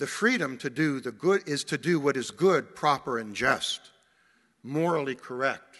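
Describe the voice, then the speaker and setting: Against a quiet background, a man with an American accent speaks at a fairly slow pace and a fairly high pitch in a bright, sharp tone. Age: 60s. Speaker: deacon. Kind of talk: sermon. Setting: church.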